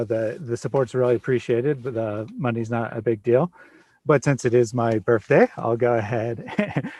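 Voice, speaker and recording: Relaxed chatty man in his forties. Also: medium pitch, no echo. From Midwest United States. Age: 40s. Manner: relaxed, chatty, laughs often. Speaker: livestream host. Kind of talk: casual livestream chat.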